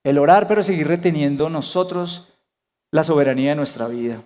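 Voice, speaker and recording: High-voiced man preaching in a reverberant hall. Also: fairly quick, a little mellow. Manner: earnest preaching, rhetorical questions to the congregation. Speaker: pastor. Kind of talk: sermon.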